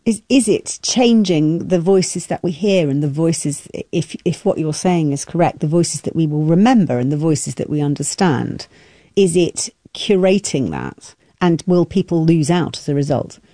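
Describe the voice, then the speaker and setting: Measured radio interviewer, dry studio sound. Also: medium pitch, warm tone, no echo. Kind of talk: scripted introduction and interview questions.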